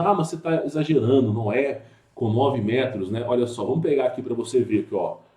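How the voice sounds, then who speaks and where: With a Brazilian accent, a man talks in a somewhat breathy, dark and mellow voice with lively intonation. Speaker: YouTuber presenting conspiracy and mystery topics. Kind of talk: casual explanatory monologue with screen sharing. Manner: conversational, filler-heavy.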